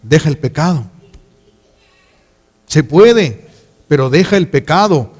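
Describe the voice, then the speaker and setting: A Catholic priest, his voice pitched high for a man, preaching a sermon in a pleading, repetitive way full of rhetorical questions. A long reverb trails after his words. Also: expressive, slow pace, darkish tone, breathy edge.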